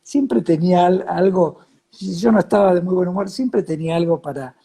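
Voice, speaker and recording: Argentine guy host, bit high pitched n husky, halting casual talk, repeats words. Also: warm tone. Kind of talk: casual, reflective chat.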